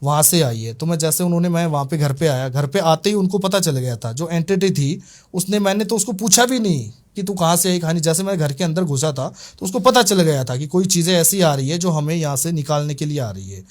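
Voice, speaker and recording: Man telling a spirit encounter, fairly high voice. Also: brisk. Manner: animated retelling, voices other people's lines. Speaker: exorcist recounting a case. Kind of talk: storytelling interview.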